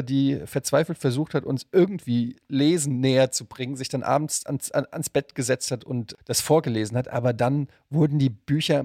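A middle-aged man chats as a podcast host in a medium-pitched voice. He talks colloquially, restarting and wandering through his thoughts. The sound is dry, with very little room around it. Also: creaky, a little mellow, no echo. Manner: rambling, self-interrupting, colloquial. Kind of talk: casual interview chat.

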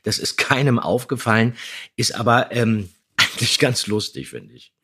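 A man co-hosting a podcast, chatting casually in a slightly husky voice. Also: medium pitch, expressive, moderate pace, bright, forceful tone. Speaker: podcast co-host. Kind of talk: casual chat.

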